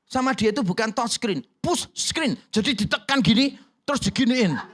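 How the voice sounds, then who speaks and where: A man's voice: very high-pitched, animated, moderate pace, a bit bright. A man preaching as a church pastor, joking and acting out little dialogues in voices. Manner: humorous, acts out quoted dialogue in voices. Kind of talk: sermon.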